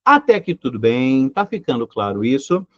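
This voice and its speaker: A man's voice: mid-range voice, sing-song, moderate pace, dry recording. A man teaching a live online grammar lesson. He talks emphatically, repeats his points and keeps asking rhetorical questions. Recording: dry, slightly dull recording.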